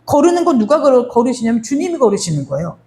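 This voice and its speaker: Animated woman preaching a sermon. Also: fairly high pitch, fast. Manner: storytelling with acted-out dialogue; direct address to the congregation. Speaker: pastor.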